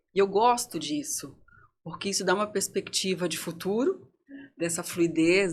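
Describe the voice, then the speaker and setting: Over a quiet background, a woman speaks at a medium pitch and a moderate pace with ordinary pitch variation. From Brazil, interior of Minas Gerais. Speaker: executive and board advisor. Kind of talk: interview.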